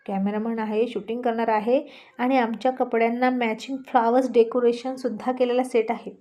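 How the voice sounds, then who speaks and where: A woman's voice: a little high, level tone, normal speed, warm tone, natural voice. A woman voicing a cheerful young brother-in-law who chats eagerly, in a read-aloud story. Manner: eager, chatty.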